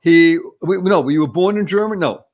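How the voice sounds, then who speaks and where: A man's voice: on the high side, fairly quick. A man hosting an online talk show in a showy, upbeat style, stringing together alliterative praise.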